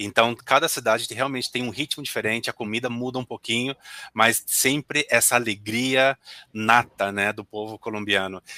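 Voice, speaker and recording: A man speaks at medium pitch with a bright, sharp tone. His intonation stays fairly even at a moderate pace, and the sound is dry and close with no echo. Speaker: cruise line sales representative. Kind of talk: webinar presentation.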